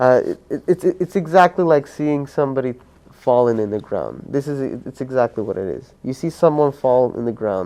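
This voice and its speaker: His dark, mellow tone sits at medium pitch with lively intonation. The man speaks at a moderate pace. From Massachusetts, US. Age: young. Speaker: filmmaker. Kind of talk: interview. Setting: studio. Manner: halting, repeats words.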